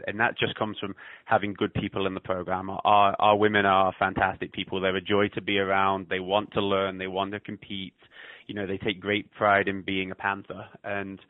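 A head soccer coach from England, with an English accent, chats in a radio interview done by phone, full of fillers and restarts. His voice is low-pitched, with no echo, over a tinny phone line.

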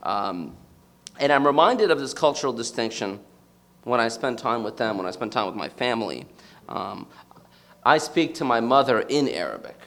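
A man's voice: medium pitch, very animated, moderate pace, fairly bright tone. A man in his thirties from the United States, giving a personal, reflective talk to a live audience and searching for his words as he goes. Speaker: speaker addressing an audience.

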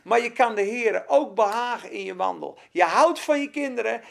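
A preacher with a gravelly, creaky voice delivers a fervent sermon. The delivery jumps from loud, emphatic bursts to hushed asides, and the preacher keeps firing questions at the congregation. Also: medium pitch, expressive, normal speed.

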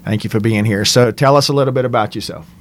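A man's voice: mid-range voice, quick pace, a little hiss or hum. A man hosting a Catholic radio show, friendly and encouraging, with brief interjections.

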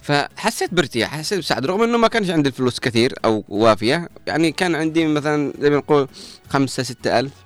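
A man's voice: on the high side, animated, rapid-fire, few pauses, faint music behind. A man presenting a morning radio talk, earnest and preachy as he gives moral advice.

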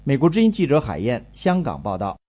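A man's voice: mid-range voice, huge pitch swings, fairly quick, heavy background noise. A man narrating a scripted radio news report as a correspondent.

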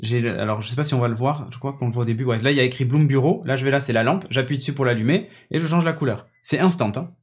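On a casual tech podcast, a male host demonstrates a gadget, chatty and enthusiastic, with plenty of hesitations. He talks rapid-fire in a mid-range voice with few pauses. He's recorded on a podcast studio microphone on a mixing desk.

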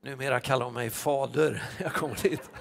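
Male pastor, mid-pitched, gravelly, halting storyteller. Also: steady tone. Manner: halting, many restarts and fillers. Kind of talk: sermon anecdote.

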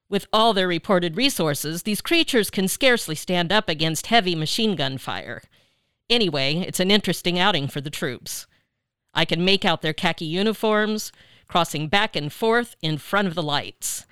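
A brisk male army captain played by an actor reports with a forceful, clear voice. He sounds clipped, overconfident and dismissive, as in a radio drama field report. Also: high voice, no room sound, clean studio sound.

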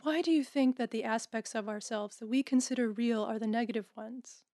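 Measured, higher-voiced female counsellor, acted by a woman. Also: dry recording, clean studio sound, close to an everyday voice. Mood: calm, probing. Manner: measured, gently probing. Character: calm, caring female campus counsellor, quietly principled. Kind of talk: audio drama acting, naturalistic dialogue.

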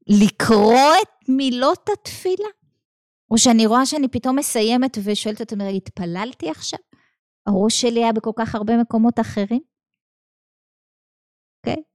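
Animated Israeli woman teaching a text. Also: on the high side, no echo, clean studio sound. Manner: animated, asks rhetorical questions, checks in with "okay?". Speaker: teacher of Jewish texts. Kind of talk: lecture on a religious text.

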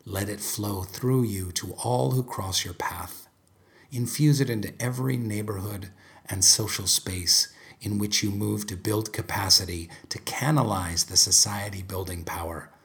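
A man hosting a podcast conversation, speaking in an earnest, measured way. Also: lowish voice, fairly bright tone. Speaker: host. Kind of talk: podcast conversation with a read passage.

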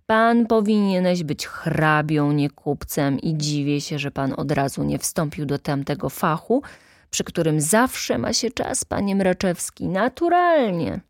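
A woman's voice: sits low, animated, unhurried, dry recording, clean studio sound. A woman voicing a stern, indignant old male shop manager in an audiobook, scolding with heavy emphasis. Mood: sarcastic, indignant.

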